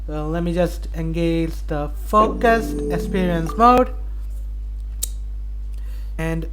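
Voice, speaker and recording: A woman chats casually through a video game as its creator and commentator. The voice sits a little low and moves slowly and haltingly, with clear game music behind. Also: poor audio. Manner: halting, thinks aloud.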